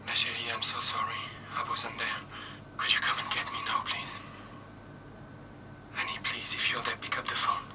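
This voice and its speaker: Desperate caller on a landline phone, whispery and flat, begging someone to pick up. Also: male voice, mid-range voice, moderate pace, poor audio. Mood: pleading. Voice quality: hushed, half-whispered. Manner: pleading, urgent. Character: desperate man pleading down the phone. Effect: heard over a landline phone as an answering-machine message. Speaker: caller leaving a message.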